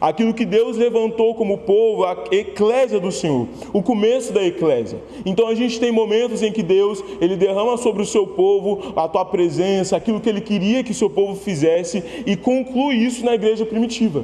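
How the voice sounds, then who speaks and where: There is noticeable background noise behind a man with a high pitch. His loudness stays very even and his pitch varies in an ordinary way. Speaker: church elder and youth leader preaching. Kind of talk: sermon. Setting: church with congregation. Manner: animated; fast.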